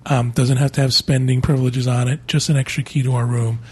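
A man's voice: mid-range voice, little pitch movement, a little fast, a little mellow, slightly rough. A man co-hosting a podcast, giving easygoing advice in casual chat. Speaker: podcast co-host.

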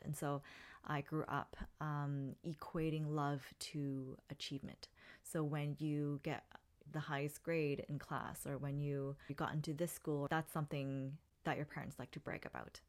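Low-pitched woman in her thirties, solo podcast host, reflective and unhurried, talks with many ums and restarts. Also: darkish tone.

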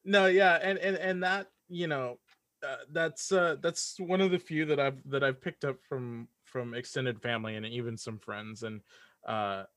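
A man's voice: medium pitch, a bit bright, no room sound. Hesitant man chatting, very dry sound. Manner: hesitant, halting, repeats words. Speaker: podcast guest, audio drama writer. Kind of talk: casual chat.

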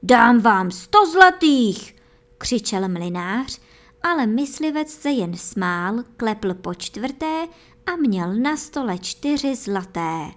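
A woman reading a folk fairy tale aloud for children and adults, telling it in a lively, expressive way. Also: mid-range voice. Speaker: storyteller.

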